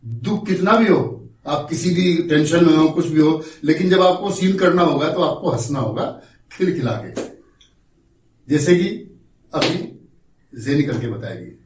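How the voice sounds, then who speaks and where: A man teaching an acting class, explaining slowly, coaxing his students and acting out examples himself. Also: fairly high pitch, lively intonation, a little mellow. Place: acting class room, indoors. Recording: roomy echo from far off, faint noise.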